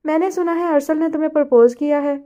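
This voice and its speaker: A woman voicing a calm, gentle man who is a doctor, giving advice in a storybook reading. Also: high voice, pitched above the performer's own voice, natural voice. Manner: gentle, advising.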